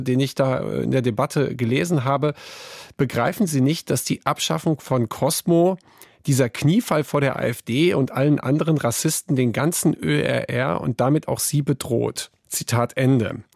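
A man's voice: mid-range voice, moderate pace, gravelly, darkish tone, no echo. Man, debate moderator, probing, paraphrasing, dry studio mic. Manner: probing, paraphrasing and quoting others. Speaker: debate host.

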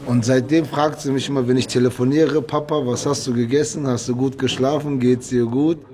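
A man's voice: medium pitch, steady tone, fairly quick, a little mellow. A man in his thirties talking plainly and openly in an interview. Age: 30s.

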